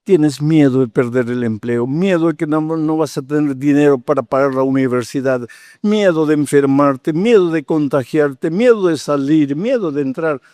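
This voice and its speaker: Man, 80s, pastor delivering a sermon; slightly high voice, dry close sound, animated storyteller turning to urgent exhortation. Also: normal speed, no echo. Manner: storytelling preacher, acting out dialogue, rising to fervent exhortation.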